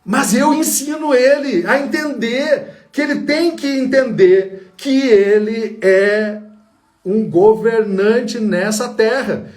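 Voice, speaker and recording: A man's voice: very high voice, takes it slowly. A man with a Brazilian Portuguese accent teaching public speaking in a motivational online lesson, telling stories animatedly and acting out the people he quotes. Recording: roomy sound with music behind.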